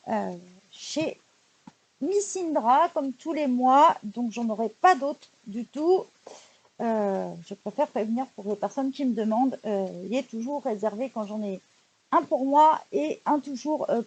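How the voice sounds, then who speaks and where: A woman presenting her recent craft purchases in a casual, chatty haul video, often pausing on fillers. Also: on the high side, darkish tone, slightly rough. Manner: chatty, many hesitation fillers and "donc voilà". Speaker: craft YouTuber showing purchases.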